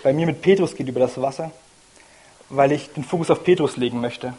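A man's voice: medium pitch, a little fast, dark tone, breathy edge. A young man giving an informal, personal sermon, earnest and thinking aloud as he goes. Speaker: lay preacher.

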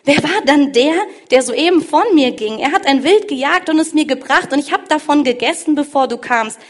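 A woman's voice: high voice, lively intonation, moderate pace, voice pushed up. A woman reading the part of an old blind father, alarmed and urgent in a raised voice. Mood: horrified.

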